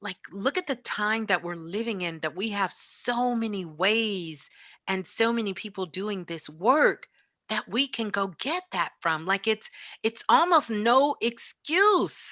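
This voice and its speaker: Bright-voiced woman in a dry space. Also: mid-range voice, dry recording. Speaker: spiritual radio show host. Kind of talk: casual motivational spiritual talk.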